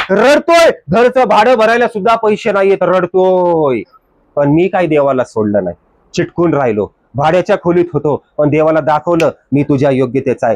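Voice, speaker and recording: Male pastor, high voice, fervent sermon, rhetorical questions and hallelujahs. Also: no echo. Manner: fervent, asks rhetorical questions, repeats phrases; punctuates with hallelujah.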